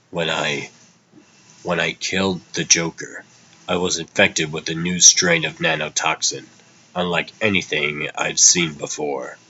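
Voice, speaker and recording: Man playing a very deep, brooding vigilante hero. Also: sharp tone, highs cut off, slight background noise, heavily acted. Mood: grave confession. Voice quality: low, tense. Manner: grave, deliberate. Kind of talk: dramatic comic dub acting.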